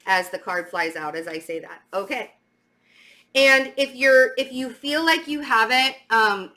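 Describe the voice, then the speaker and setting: Here a tarot reader, a middle-aged woman, talks to viewers in a relaxed, emphatic way during a halting spiritual reading. A slight stammer comes through, she repeats words for emphasis, and her mid-range voice is fairly bright.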